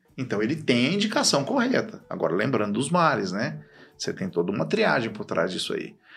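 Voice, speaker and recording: Through noticeable background noise, a man with a fairly high pitch talks at a fairly quick pace, his pitch swinging very widely. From Goiás, Brazil (born in Minas Gerais). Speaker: physician. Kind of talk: casual interview chat.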